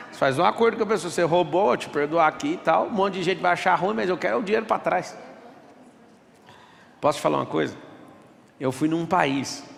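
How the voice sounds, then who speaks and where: A man's voice: a little high, creaky, long reverb tail, slight background noise. A man giving an emphatic motivational talk in an auditorium, taking questions from the audience. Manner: emphatic, rhetorical, quotes people in voices. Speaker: speaker at a live event.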